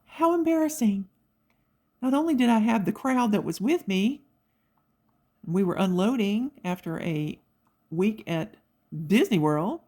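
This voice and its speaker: A woman's voice: mid-range voice, measured pace. A middle-aged woman hosting a craft video, chatting casually and telling stories while she works on a diamond painting. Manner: chatty, animated storytelling with quoted voices.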